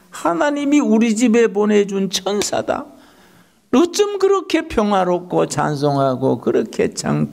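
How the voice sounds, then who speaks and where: A male preacher voicing an elderly mother-in-law who speaks lovingly to her daughter-in-law and mixes in English words, in a slow, lively sermon retelling. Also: on the high side, gravelly, pitched above the performer's own voice, full character voice. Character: elderly American mother-in-law, tender and approving.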